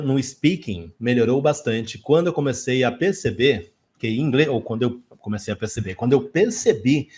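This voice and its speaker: A Brazilian man with a Brazilian Portuguese accent gives an online English lesson from a small home studio. He talks at a mid pitch, animated and emphatic, and slows down to model English phrases. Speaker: English teacher.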